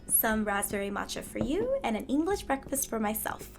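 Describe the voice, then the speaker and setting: A woman playing a gentle, perceptive water nymph who works as a nurse in an audio drama, soothing and conversational. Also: a little high, very animated, normal speed, creaky, faint music behind. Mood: gentle, sympathetic. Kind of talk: naturalistic audio drama acting.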